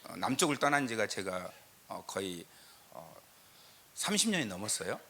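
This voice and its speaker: A middle-aged Korean pastor from the south with a slight southern regional lilt, preaching a teaching sermon with scripture readings and rhetorical questions. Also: male voice, lowish voice, big pitch swings, moderate pace, bright, forceful tone, breathy edge. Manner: emphatic, rhetorical questions, frequent "eo" fillers. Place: church sanctuary.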